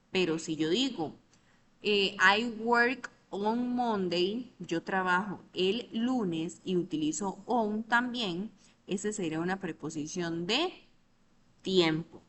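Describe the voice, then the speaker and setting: A woman's voice: lowish voice, slight background noise. A woman, patiently explaining English grammar in an online tutoring lesson over a computer mic, often checking in with "¿verdad?".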